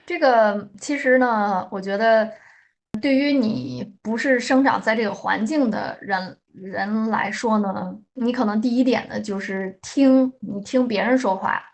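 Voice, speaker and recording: A young woman with a Beijing accent, a guest explaining local speech in a measured, thoughtful way. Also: a little high. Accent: Beijing Mandarin. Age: young adult. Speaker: guest co-host. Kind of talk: casual explanatory chat.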